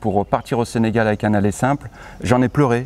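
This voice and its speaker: Over noticeable background noise, a man talks at a moderate pace and medium pitch with fairly even intonation. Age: 40s. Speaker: YouTuber and election candidate. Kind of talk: casual chat.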